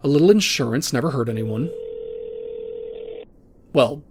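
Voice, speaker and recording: A man's voice: mid-range voice, lively intonation, a little slow, background noise, natural voice. A man acting a smug, scheming loan shark villain in an audio drama, with a gloating, formal manner. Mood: smug, menacing.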